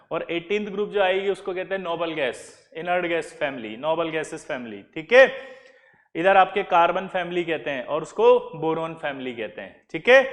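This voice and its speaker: A man lectures on chemistry in a high voice that rings out in a reverberant room. He keeps stopping to quiz his students and repeat the answers back to them. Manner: quizzes listeners with repeated questions. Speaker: chemistry teacher. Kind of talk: classroom lecture.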